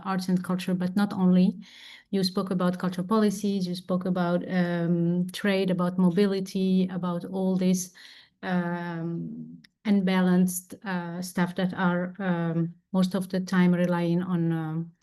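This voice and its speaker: A woman moderating a conference panel, halting and full of fillers as she introduces the next speaker. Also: lowish voice, warm tone.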